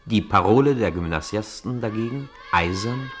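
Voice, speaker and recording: A man with a fairly low voice narrates a story for a children's radio play. He delivers scripted storytelling between the acted scenes. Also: expressive, moderate pace, slight background noise.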